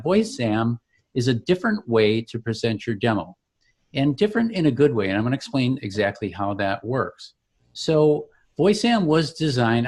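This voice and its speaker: A man with a mid-pitched voice walks through a product demonstration conversationally. He explains each point with enthusiasm, like a founder showing off his own work. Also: a little mellow.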